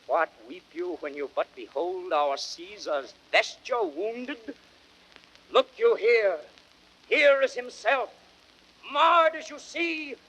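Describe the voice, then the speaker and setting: An actor playing a grieving Roman orator rousing a crowd in impassioned theatrical Shakespearean declamation. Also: male voice, high voice, a little hiss or hum, exaggerated voice, low-quality recording. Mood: mournful, pleading. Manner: impassioned, drawn-out, swelling from hushed to shouted.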